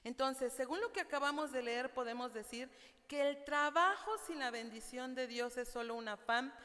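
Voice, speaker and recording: A woman's voice: sits high, normal speed, sharp tone. Woman preaching in an echoing church hall. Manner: asks the audience questions, laughs. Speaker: women's meeting preacher. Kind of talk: sermon with Bible reading. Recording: hall reverb.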